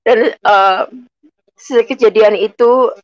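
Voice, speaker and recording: A woman's voice: a little high, fairly even intonation, slow, no room sound, highs cut off. A woman from Indonesia giving an earnest personal faith testimony, speaking to listeners as friends.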